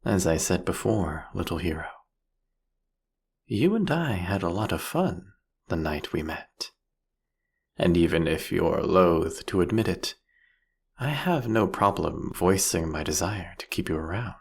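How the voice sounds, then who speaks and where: A man's voice: lively intonation, unhurried, full character voice. A man playing a seductive, possessive vampire king in an intimate audio roleplay, with a taunting, menacing, whispery delivery. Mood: seductive threat. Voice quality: husky, breathy, gravelly low voice.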